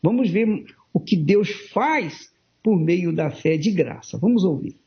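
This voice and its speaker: A man's voice: high-pitched, lively intonation, a little slow. A man, a bishop, preaching on a broadcast, emphatic and repeating phrases for stress, on muffled audio.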